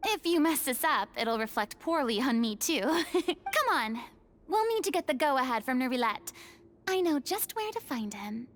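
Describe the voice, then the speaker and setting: A woman's voice: sits high, very animated, moderate pace. A woman playing a confident, theatrical young stage veteran in a video game, with grandiose delivery. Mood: breezy, imperious. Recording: game audio under music. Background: game music.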